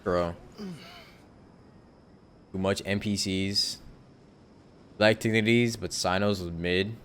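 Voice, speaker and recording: A man talks casually while streaming a game, relaxed and quick to laugh. His voice sits on the low side. He answers his chat in a loose, chatty way. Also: clean tone. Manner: laid-back, laughs often, answers chat. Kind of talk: casual live-stream commentary.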